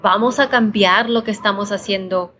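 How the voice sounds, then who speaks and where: A woman born in El Salvador speaks as an interview guest about making podcasts. She talks in a thoughtful, conversational way, often repeating herself and checking in with her listener. Her voice sits at a middle pitch. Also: fairly even intonation, moderate pace, sharp tone. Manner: thoughtful, repeats words, frequent tag questions.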